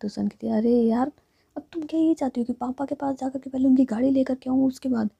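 A young woman telling a love story as whispered role-play, narrating and voicing each character herself in soft whispers. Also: sits high, steady tone, quick pace, creaky, breathy edge, no room sound.

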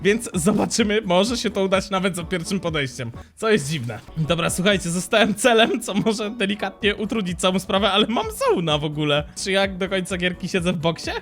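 A young man with a high, bright voice, narrating his gameplay in an excitable, jumpy way. He laughs often and his voice leaps up when something happens. Faint game music plays behind him. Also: a little fast, few pauses. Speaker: gaming streamer.

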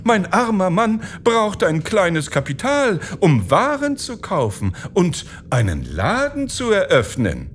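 Give me a man doing a wheedling, high-voiced scheming wife from a storybook, slow and mock-sweet. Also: huge pitch swings, a little hiss or hum, full character voice. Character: shrewd scheming wife haggling over debts.

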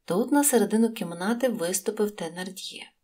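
A woman reading an audiobook, narrating a classic story in a measured, deliberate way. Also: medium pitch, dark tone. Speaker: audiobook reader. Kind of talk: scripted narration.

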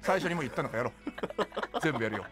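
A man's voice: medium pitch, lively intonation, racing, a bit bright, soft background music. A man chatting casually as a guest in a radio studio. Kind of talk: casual chat. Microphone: studio boom mic, speaking through a face mask.

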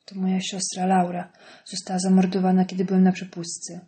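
Woman reading a curt, harsh young male prisoner in a storybook, low mellow voice. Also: monotone, a little fast, close to an everyday voice. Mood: grim.

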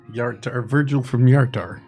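A man's voice: mid-range voice, mellow. A man playing a tabletop game indoors, joking and wry in casual banter. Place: indoor streaming set. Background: background music.

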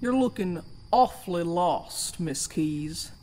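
Audio drama role: woman as a sly bargain-dealing stranger, low, unhurried, folksy, ambient noise behind. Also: lively intonation. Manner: folksy, slow, teasing. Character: mysterious drawling bargain-making stranger, sly and teasing.

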